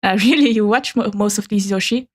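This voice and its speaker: Speaking fairly quickly in a mid-range voice, a woman from Germany whose native language is Chinese walks through slides as a newcomer VTuber streamer. She chats casually but a bit awkwardly, sounding unsure of herself and apologizing.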